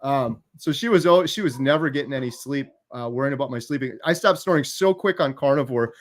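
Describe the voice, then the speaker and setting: A man hosting a livestream, telling stories in an animated, fast-moving way. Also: mid-range voice. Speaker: host. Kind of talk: casual livestream chat.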